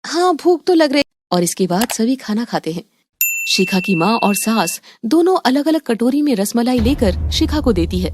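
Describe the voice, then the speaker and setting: A woman narrating an animated family story in a calm, scripted storytelling manner. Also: a little high, moderate pace, noisy background.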